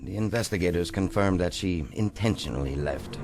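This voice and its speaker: A man's voice: sits low, fairly quick. An actor playing an evasive, imperious father with a formal, theatrical manner in a video game drama. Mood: guarded. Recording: music behind the voice.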